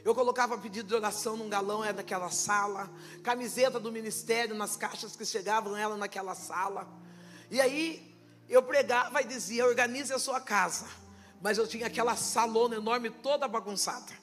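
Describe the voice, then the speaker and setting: A Brazilian woman pastor giving a testimony sermon at a church service, impassioned and rising to shouted preaching. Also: a little high, a little fast, faint music behind. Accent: Brazilian Portuguese.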